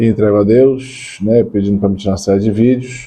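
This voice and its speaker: The voice is soft-spoken, with a dark, mellow tone. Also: man. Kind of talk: informal sermon talk to camera. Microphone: new more sensitive microphone.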